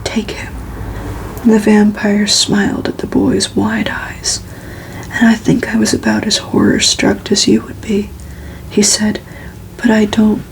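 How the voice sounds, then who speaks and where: A woman softly reading a novel aloud in a breathy, unvoiced ASMR whisper. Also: mid-range voice, rough recording. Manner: slow, soft, unhurried delivery. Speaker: ASMR reader.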